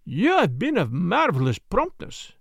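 A man's voice: high-pitched, wildly swooping pitch, vocal fry, breathy edge, dry recording, studio quality, heavily acted. A man voicing a polite, self-important Belgian detective with a French-speaking Belgian accent and mannered, precise phrasing, in a storybook reading. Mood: polite, pleased. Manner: mannered, deliberate, foreign phrasing.

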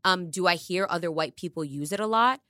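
Low-voiced candid woman podcaster. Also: fairly quick, dry recording, clean studio sound. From the Bronx, New York. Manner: candid, animated, voice rising and dropping in bursts. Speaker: podcast co-host. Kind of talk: casual podcast chat. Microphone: studio podcast mic.

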